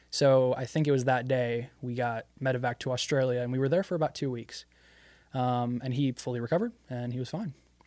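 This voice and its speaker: An unremarkable speaking voice moves at a fairly quick pace with fairly even intonation, in a very clean recording with a silent background. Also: man, medium pitch for a man. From New York State, partly raised in Papua New Guinea. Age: 20s. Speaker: missionary and video creator. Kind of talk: casual interview.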